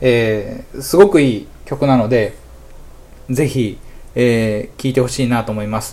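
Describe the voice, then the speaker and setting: A man speaks in a plain, everyday voice at medium pitch and a fairly slow pace, with ordinary pitch variation. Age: 40s. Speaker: restaurant owner and podcast host. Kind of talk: casual solo monologue. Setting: office above restaurant.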